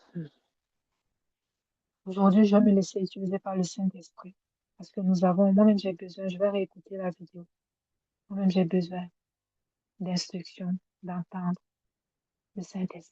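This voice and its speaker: In dry, close sound with no echo, a woman talks fairly slowly in a dark, mellow, somewhat breathy tone, monotone and flat, with big swings in loudness and long, frequent pauses. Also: medium pitch for a woman. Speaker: preacher leading a spiritual camp. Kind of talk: sermon.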